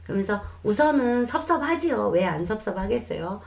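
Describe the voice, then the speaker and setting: A woman who is a child development expert, calmly explaining parenting advice in a lesson and sometimes acting out what a mother might say. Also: medium pitch, brisk, gravelly. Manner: calm, reassuring explanation with acted quotes of mothers.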